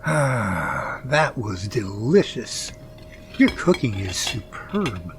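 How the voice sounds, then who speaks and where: Man acting an easygoing guy over clear background noise. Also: mid-range voice, very animated, slow pace. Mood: appreciative. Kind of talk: amateur audio drama acting.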